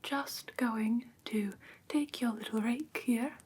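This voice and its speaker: A woman playing a gentle, prim vampire teacher in whispered ASMR roleplay, breathy and careful, close to the microphone. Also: fairly high pitch, takes it slowly. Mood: calm, attentive. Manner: soft, careful, instructive, politely formal. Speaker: ASMR performer.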